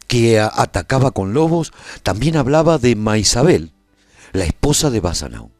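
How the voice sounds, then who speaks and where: An actor playing a battle-weary, lovelorn leader of war wolves, narrating a radio serial in a solemn, dramatic first person. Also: male voice, medium pitch, darkish tone, no room sound.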